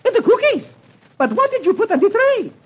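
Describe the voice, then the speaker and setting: A man voicing an excitable young French maid in a breathy falsetto, on an old radio recording. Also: moderate pace, lo-fi sound, full character voice. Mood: flustered.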